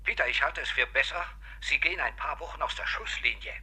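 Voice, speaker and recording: An actor playing a stern but paternal male boss with a husky, sharp voice in a radio crime drama. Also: on the high side, quick pace, heavily acted.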